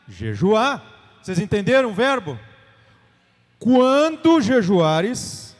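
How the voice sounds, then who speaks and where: A man with a Brazilian Portuguese accent, preaching a sermon as a deacon, emphatic and repeating key phrases while calling for congregation response. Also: high voice. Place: church sanctuary. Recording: long church-hall reverb.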